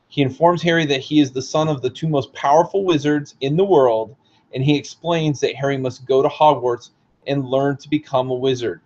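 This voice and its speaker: A hoarse man, the book's author, reads passages aloud from his own book and explains them with casual asides. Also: medium pitch, dull audio.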